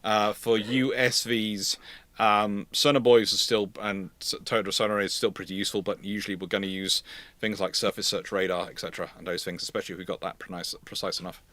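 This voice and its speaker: A man's voice: fairly low pitch, level tone, fairly quick, pushed and bright, no echo. A man answering questions on a live history stream, repeating and restating himself emphatically as he explains. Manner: hesitant repetitions, emphatic restating. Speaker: host of a naval history livestream, consultant.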